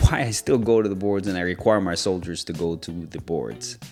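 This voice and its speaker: Over music in the background, a man with a non-native accent and a very deep, low pitch speaks at a fairly quick pace with ordinary pitch variation. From outside the US. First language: not English. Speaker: army first sergeant. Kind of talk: casual vlog monologue. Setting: home studio.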